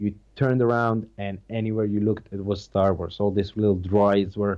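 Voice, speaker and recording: A man's monotone, flat delivery in a Slovenian accent. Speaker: actor. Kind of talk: interview. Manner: halting.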